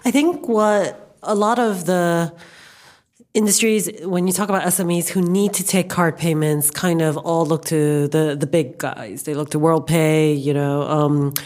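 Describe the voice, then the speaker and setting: A woman's voice: low-pitched, steady tone, measured pace, darkish tone. An American woman speaking as a guest in a casual panel discussion, chatty and emphatic, often repeating words for stress. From New York, United States. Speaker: podcast guest, banking professional.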